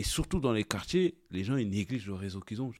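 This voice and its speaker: A plain, everyday voice from a man at a fairly low pitch and moderate pace, in a very clean recording with a silent background. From Paris, 19th arrondissement. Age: 30s. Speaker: entrepreneur. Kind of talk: casual interview chat.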